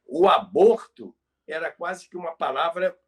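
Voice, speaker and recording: A man with a Brazilian accent and a slightly high voice presents a podcast in a conversational storytelling style. He explains emphatically and repeats key phrases to make his point. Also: measured pace. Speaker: podcast presenter on radio history. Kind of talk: conversational storytelling about radio history.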